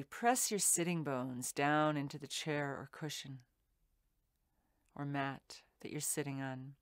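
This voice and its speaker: A woman meditation teacher leading a guided meditation in a soothing, deliberate way with pauses between phrases. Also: low-pitched, smooth, no room sound, studio quality.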